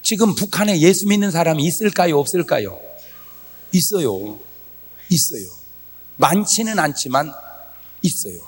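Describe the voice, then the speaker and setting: A male pastor preaching a revival sermon to a congregation, animated, breaking into shouts and acted-out quoted prayers. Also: fairly high pitch, moderate pace, long pauses, slightly rough, big-room sound. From South Korea. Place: church sanctuary before a congregation.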